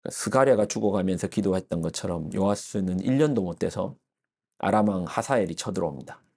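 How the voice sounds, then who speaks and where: Low, mellow-voiced male pastor preaching. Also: fast talker, breathy edge. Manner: explanatory, with frequent fillers and restarts. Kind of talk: early-morning sermon. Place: church.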